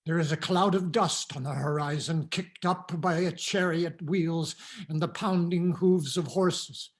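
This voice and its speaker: An actor reading the part of a cautious, commanding father in a Greek tragedy, in a measured, solemn, instructive manner. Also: a little high, steady tone. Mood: solemn, cautioning. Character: cautious, commanding elderly father leading refugee daughters.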